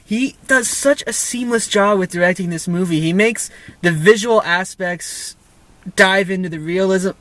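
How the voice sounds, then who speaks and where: Young guy gushing about a movie, pretty high voice, kinda rambly. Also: moderate pace, a bit bright, no echo. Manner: enthusiastic, rambling, laughs at himself. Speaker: co-host film reviewer. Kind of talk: casual film review chat.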